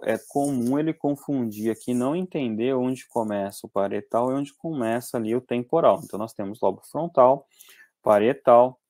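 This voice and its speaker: A young Brazilian man teaching anatomy in an online class from a small room, talking conversationally and often tagging sentences with quick checks. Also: mid-range voice, a little mellow, no echo. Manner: conversational, frequent tag questions. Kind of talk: online lecture over slides.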